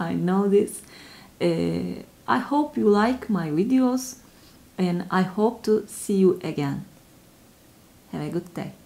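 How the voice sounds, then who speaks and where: Speaking with a Turkish accent, a woman uses a dark, mellow tone at a medium pitch, going very slowly with long, frequent pauses. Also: lively intonation. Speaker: crochet youtuber. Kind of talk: channel announcement. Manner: halting, many fillers.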